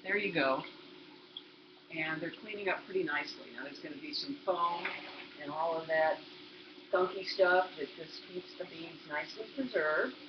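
In her kitchen, a cooking instructor in her sixties demonstrates home cooking in a chatty way, explaining every step to viewers. She speaks at normal speed in a low voice, captured by a built-in laptop mic that sounds roomy, dull, and lo-fi, with background noise.

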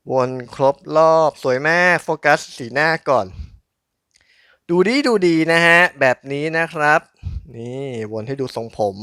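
A man's voice: fairly high pitch, a bit bright, no room sound, studio quality. A man giving casual, chatty unboxing commentary in an informal but polite way. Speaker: toy unboxing channel host.

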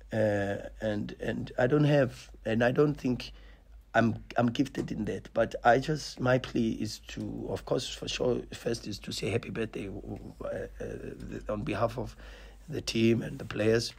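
Gravelly-voiced South African coach. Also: male voice, mid-range voice. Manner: passionate, emphatic, full of repetitions and restarts. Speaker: football coach. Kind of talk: post-match press conference. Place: small press room with sponsor backdrop. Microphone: table mic on stand.

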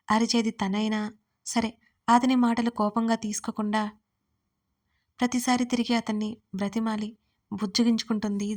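A woman narrates her own romantic serial story in a steady, even storytelling manner. Her voice sits slightly high. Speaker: narrator and writer.

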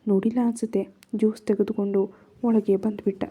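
A woman's voice: mid-range voice, little pitch movement, a little fast, mellow, slightly rough. A woman narrating a first-person love story in Kannada-accented speech, raising her voice for quoted lines.

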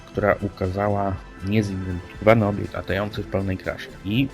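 Low, gravelly man co-hosting. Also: flat delivery, fairly quick. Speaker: podcast co-host. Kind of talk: conversational presentation of news reports. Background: background music.

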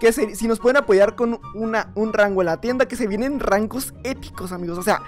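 A woman giving excitable, laughing Minecraft gameplay commentary, her voice slightly hoarse from just waking up. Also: medium pitch, brisk, soft background music. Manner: excitable, laughing, teasing other players. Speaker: gaming YouTuber.

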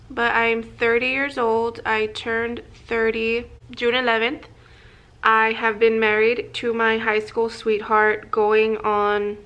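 A woman's voice: fairly high pitch, a bit bright. A woman in her thirties, a vlogger and makeup artist, chatting casually to the camera in a small office, rambling with lots of fillers and restarts. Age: 30s. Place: small office room indoors. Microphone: camera at desk, close framing.

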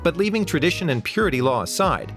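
Lively male news narrator. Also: a little high, fast. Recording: voice-over with faint music.

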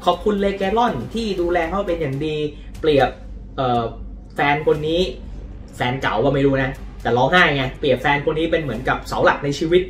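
A man hosting a casual football news vlog, chatty and lively in his storytelling. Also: fairly high pitch, brisk, reverberant, far from the mic. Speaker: football channel host.

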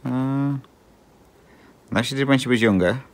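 A man's voice: medium pitch, a little slow. A middle-aged Englishman with a slight Australian twang, chatting casually and rambling while he cross-stitches, with frequent ums and chuckles. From England. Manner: rambling, chuckles often, many ums and restarts.

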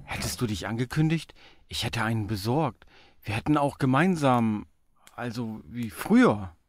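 A man's voice: mid-range voice, animated, moderate pace, dry recording, clean studio sound, lightly acted. A man playing a lonely, hesitant middle-aged father in a naturalistic radio drama. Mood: surprised, awkward. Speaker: voice actor in an audio drama.

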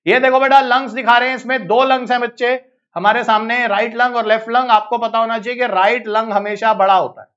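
A man with an Indian accent teaching biology in a live online exam-prep lecture, brisk and coaxing, repeating phrases to hurry his students along. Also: very high voice, level tone, fairly bright tone. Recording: slightly dull lo-fi audio.

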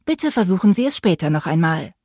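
A woman voicing a relentlessly friendly female automated phone voice, polite, measured and unflappable. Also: fairly low pitch, sing-song, warm tone, husky, no echo, studio quality. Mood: politely robotic.

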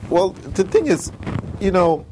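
An American man being interviewed, talking casually as an animated storyteller and often checking in with "you know". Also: sits high, unhurried, slight background noise, poor audio. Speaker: interview guest, audio drama maker.

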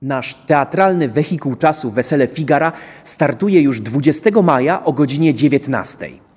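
A man's voice: a little high, lively intonation, moderate pace, a little mellow, breathy edge. A young man giving a scripted presentation to camera as a presenter. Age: young adult. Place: indoors in a theatre, before a press wall. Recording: long hall-like reverb.

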